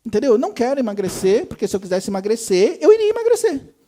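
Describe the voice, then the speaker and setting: Man, pastor, casual sermon, acts out quotes, lively swooping pitch, mellow tone. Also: quick pace. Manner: conversational, acts out quoted voices with big pitch jumps. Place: church service.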